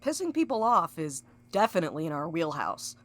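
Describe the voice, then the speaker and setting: Blunt female courier played by an actress, sharp bright tone, very animated, sardonic, for a fiction podcast. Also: sits low, a little fast. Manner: blunt, sarcastic. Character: blunt, sardonic woman courier with an impatient streak. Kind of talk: scripted audio drama acting.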